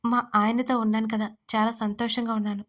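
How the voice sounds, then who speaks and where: A woman's voice: fairly high pitch, flat delivery, a little fast, lightly acted. A woman voicing a married young woman who speaks bluntly, coldly and with sarcasm. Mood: scornful.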